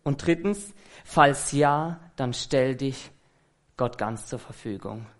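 Man, preacher, sermon, earnest, conversational, unhurried delivery, mid-pitched voice. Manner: earnest and conversational, with rhetorical questions.

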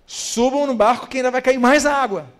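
A man's voice: extremely high pitch, normal speed. A man voicing a city rescue worker urging flood victims to leave. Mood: urgent. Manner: urgent warning.

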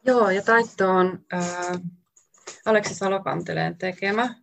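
A woman author reading her own poetry aloud in slow, deliberate short lines. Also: mid-range voice, gravelly.

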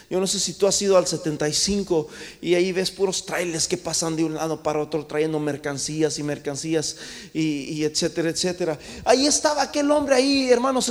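A man with a very high voice preaches a sermon from the pulpit, his words ringing with a long reverb through the church. He presses hard on his congregation, calling out loudly one moment and dropping to a hushed aside the next. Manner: impassioned, swings between loud calls and hushed asides. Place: church sanctuary.

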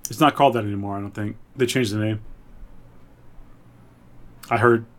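A man's voice: fairly low pitch, fairly even intonation, normal speed, a bit bright. A man co-hosting a podcast, chatting casually about movies in short, offhand remarks. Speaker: podcast co-host.

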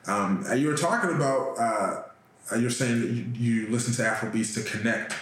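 Host: mid-pitched man, upbeat and slangy, in a very echoey room. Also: animated, a little fast, a bit bright. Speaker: radio host. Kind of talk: casual radio interview.

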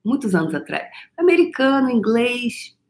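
A middle-aged Brazilian woman, an energy-work coach, talking casually to her followers in an animated, rhetorical way. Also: fairly high pitch, moderate pace. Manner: animated, rhetorical, voices imagined objections.

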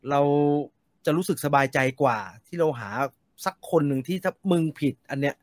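A man co-hosting a loose live chat with his voice sitting a little high for a man. He reads out viewer questions and wanders off into long, rambling answers. The sound is close and dry, with no room echo. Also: moderate pace. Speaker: co-host reading viewer comments. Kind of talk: casual chat.

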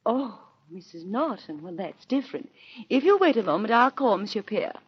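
An actress playing a polite, formal beauty salon receptionist in an old radio drama. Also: female voice, mid-range voice, very animated, normal speed. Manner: crisp, formal, deferential. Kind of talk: 1940s radio acting. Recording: dull old radio recording.

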